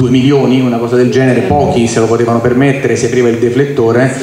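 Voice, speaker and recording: A man races along at a very fast pace in a monotone, flat intonation, with audible room echo and light background noise. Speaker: guest. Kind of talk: interview answer. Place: shop.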